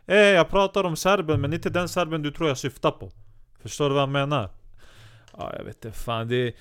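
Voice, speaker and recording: A man hosting a comedy podcast, rambling and halting with many restarts. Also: medium pitch, smooth. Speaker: host.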